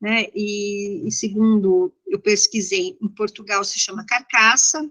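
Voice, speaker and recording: A woman's voice: mid-range voice, steady tone, unhurried, pushed and bright. A Brazilian woman with a São Paulo accent giving an informal, interactive lecture in a didactic, conversational way that checks in with listeners. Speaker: university lecturer.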